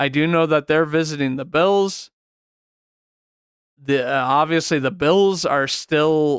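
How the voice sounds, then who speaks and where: The sound is dry and close, with no echo, on a very clean recording with a silent background. The pace is fairly slow. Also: man. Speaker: NFL podcast host. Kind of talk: solo sports analysis podcast. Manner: halting, many repetitions and fillers; casual, conversational.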